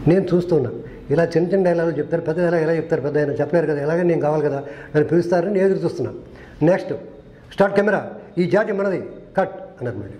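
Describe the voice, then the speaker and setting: Older man, a co-director looking back on shoots, fast storyteller, mellow voice, echoey room. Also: fairly high pitch, a little hiss or hum. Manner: anecdotal, acts out quoted dialogue. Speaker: veteran film co-director. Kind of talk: storytelling interview.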